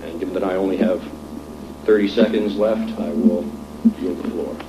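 A man arguing formally as a lawyer in court, in a halting way with drawn-out pauses. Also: sits low, steady tone. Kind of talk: formal appellate oral argument. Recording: echoey courtroom with clear noise and hum.

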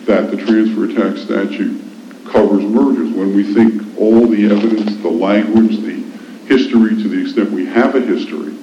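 An American man delivers oral argument in a reverberant, somewhat muffled courtroom recording. His voice is fairly low, and he presses his case insistently, restating key points. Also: fairly even intonation, moderate pace. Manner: insistent, repeats points for emphasis. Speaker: lawyer arguing an appeal. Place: indoor courtroom. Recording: echoey, muffled courtroom recording, faint noise.

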